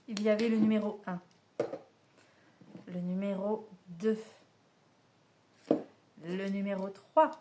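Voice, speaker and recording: Talking directly to the viewer in a chatty, familiar way, a woman does a casual oracle card reading on camera. Her medium-pitched voice comes through the camera mic with slight background noise, and the footage is mirrored.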